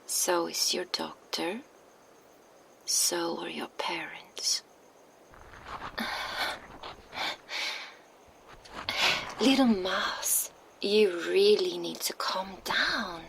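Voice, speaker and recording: A woman voicing a cold, menacing female vampire enforcer in an ASMR roleplay, speaking in a soft, slow, taunting whisper into a binaural microphone. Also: lowish voice, gravelly, exaggerated voice.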